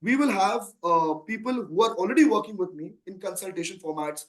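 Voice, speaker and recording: A man's voice: high voice, a little fast, fairly bright tone. An Indian-accented man in his thirties, a company chief executive answering questions on an earnings call at length, emphatically, with rhetorical questions.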